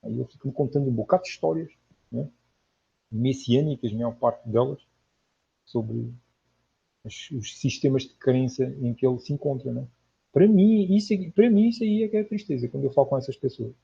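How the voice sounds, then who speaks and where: A Portuguese man, accent audible, talks fairly quickly in a medium-pitched, warm, husky voice with vocal fry. As an online spiritual lecturer and livestream host, he casually and earnestly answers viewer comments, repeating things for emphasis, all captured on lo-fi audio.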